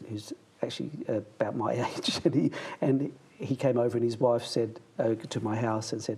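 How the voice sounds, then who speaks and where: Moderate pace with an Australian accent. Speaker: magician. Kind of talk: casual chat. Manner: mumbling.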